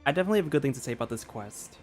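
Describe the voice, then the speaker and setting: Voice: mid-range voice, expressive, very fast. A game streamer giving casual reaction commentary in a tentative, rambling way. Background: game music.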